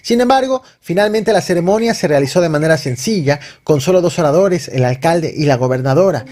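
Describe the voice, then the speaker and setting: A man's voice: fairly high pitch, animated, a little fast, a little mellow. A man narrating a scripted news report.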